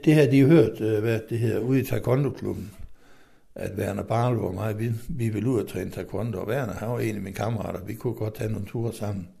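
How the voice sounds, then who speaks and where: Middle-aged man from western Denmark, interview guest, very gravelly low voice, rambling stop-start storytelling. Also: dark tone. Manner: rambling, halting with fillers and restarts.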